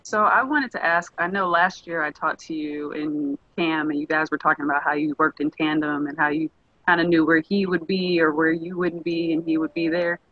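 A woman's voice: low-pitched, fairly even intonation, normal speed, no echo. A woman reporter in her thirties asking conversational questions over a video call. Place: living room with sofa. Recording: dull video-call audio.

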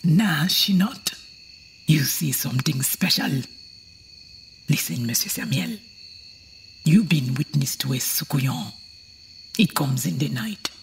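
An actress playing a blunt, superstitious old island woman with a gravelly, whispery voice in an audio horror drama. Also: sits low, lively intonation, slow, pauses often, a little hiss or hum, full character voice. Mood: ominous warning. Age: older.

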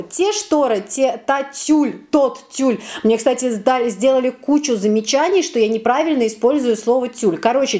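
Lively, self-mocking young woman vlogger. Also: on the high side. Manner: lively, self-mocking, talks with her hands. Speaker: home vlogger. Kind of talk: casual chatty vlog. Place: small bright room, indoors.

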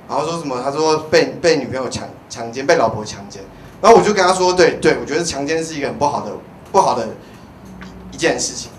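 Young man, Taiwanese accent, stand-up, slightly high voice, stammering repeats, roomy live room with some noise. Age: young adult. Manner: rambling, stammering, repeats phrases. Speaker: stand-up comedian. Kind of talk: open-mic stand-up comedy. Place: small indoor comedy club stage. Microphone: handheld microphone.

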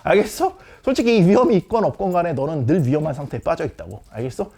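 A man's voice: fairly high pitch, lively intonation, fast talker, dark tone, husky. A man in his thirties lecturing as a dating coach, blunt and swaggering like a big brother, constantly checking with "okay?". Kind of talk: casual lecture to young men.

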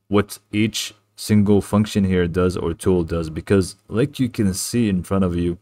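Low-voiced man giving a casual walkthrough. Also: warm tone, no echo. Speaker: tutorial presenter. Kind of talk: casual, improvised software walkthrough.

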